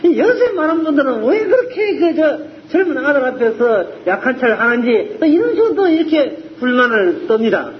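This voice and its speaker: Animated high-voiced Korean preacher. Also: male voice, fairly quick, few pauses, lo-fi sound. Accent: Gyeongsang Korean. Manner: animated, acts out voices of scoffers and soldiers. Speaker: pastor. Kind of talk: sermon.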